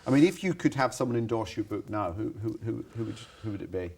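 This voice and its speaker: A man's voice: fairly low pitch, lively intonation, fast, gravelly, darkish tone, breathy edge. A man interviewing a comedian, asking blunt, sarcastic questions. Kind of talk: mock interview.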